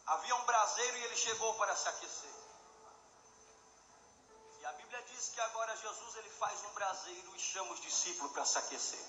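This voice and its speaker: A pastor with a strikingly high, ringing voice, preaching with fervour and breaking into shouts. His voice echoes around a church hall. Worship music plays clearly beneath him. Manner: fervent, swells into shouting. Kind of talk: impassioned sermon.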